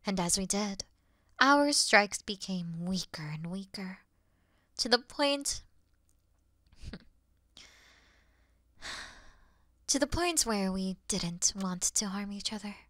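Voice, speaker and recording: A woman playing a regal, calm demon queen in a fantasy audio roleplay, speaking in a measured, earnest, soft-spoken way. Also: mid-range voice, no room sound, clean studio sound. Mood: wistful, reflective. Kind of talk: scripted fantasy audio roleplay addressed to the listener.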